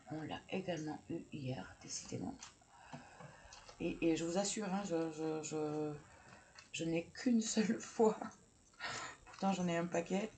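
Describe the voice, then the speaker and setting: A woman's voice: low-pitched, darkish tone, a little hiss or hum. A woman reading oracle cards in a casual chatty way, hesitant, with many fillers and self-corrections. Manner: chatty, laughs at herself. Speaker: oracle card reader.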